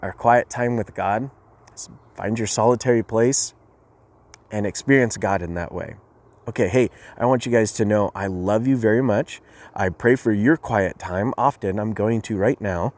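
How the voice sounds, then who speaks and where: A man's voice: on the low side, moderate pace, darkish tone. A man giving a casual youth message as a pastor, speaking hesitantly with many fillers and restarts. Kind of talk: informal youth sermon with a story.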